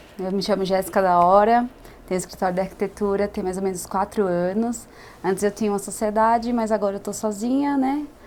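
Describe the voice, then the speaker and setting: Fairly quick speech from a woman, with ordinary pitch variation. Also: medium pitch for a woman. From Alagoas, Brazil. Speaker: architect. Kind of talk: talk show interview.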